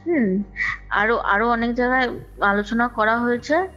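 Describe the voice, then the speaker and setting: High-voiced Bengali woman on a muffled call. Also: normal speed, fairly bright tone. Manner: talkative, repeats phrases for emphasis, mixes in English words. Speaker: guest recounting own ghost experience. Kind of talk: conversational personal storytelling. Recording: dull lo-fi call recording, music underneath. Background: music.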